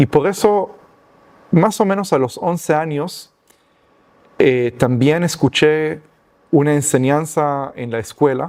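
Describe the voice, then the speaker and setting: In a Hebrew accent, a man with a fairly high voice speaks very slowly, with ordinary pitch variation and long, frequent pauses. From Israel. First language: Hebrew (speaking Spanish). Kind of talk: testimony. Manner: halting, many fillers and self-corrections.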